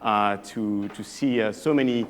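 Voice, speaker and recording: Fairly low in pitch, his voice moves a little slowly. He's a thirty-something French professor with a French accent, guest lecturing at an evening talk before a live audience, chatty and hesitant and prone to restarting phrases.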